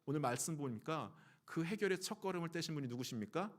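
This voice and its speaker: A man's voice: on the high side, expressive, fast. A man, a pastor, preaching a Sunday sermon. He asks the congregation questions and acts out quoted lines in a changed voice. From South Korea. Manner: fillers and restarts.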